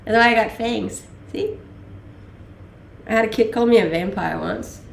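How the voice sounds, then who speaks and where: Slow, gravelly Danish woman streamer. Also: fairly high pitch, roomy sound, slight background noise. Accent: Danish-Australian mix. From Denmark. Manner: relaxed, laughing, many fillers. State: a little sick. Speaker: livestreamer. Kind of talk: casual chat reading viewer questions.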